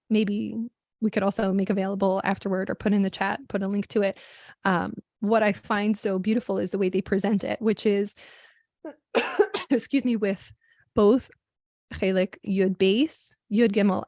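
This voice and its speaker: A woman sharing her thoughts on a video call in a casual discussion, pausing often with fillers and restarts. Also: mid-range voice, a little mellow, no room sound, studio quality. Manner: hesitant, with many fillers and restarts.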